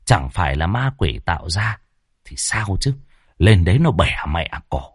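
Low-voiced, lively male ghost storyteller. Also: measured pace, slightly rough, dry recording, studio quality.

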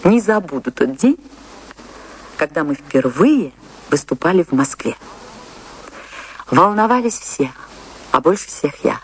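An actress playing a passionate, dreamy woman dancer reminiscing in a theatrical radio drama, expressive and full of dramatic pauses. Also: low-pitched, slight background noise. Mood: nostalgic. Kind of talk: theatrical Russian radio drama, monologue and dialogue.

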